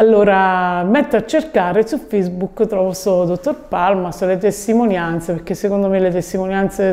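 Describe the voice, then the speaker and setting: Speaking at a fairly quick pace in a Neapolitan accent, a woman shows ordinary pitch variation. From Naples, Italy. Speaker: dental patient giving testimonial. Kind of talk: casual, conversational. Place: studio. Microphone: lapel.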